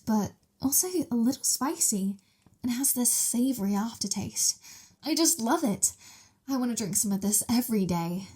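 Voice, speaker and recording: Woman acting a soft, mellow, playful vampire mistress. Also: a little high, breathy edge. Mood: satisfied, affectionate. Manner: casual, playful, giggly. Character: playful, informal young vampire mistress, sweet and hungry. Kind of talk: ASMR roleplay acting.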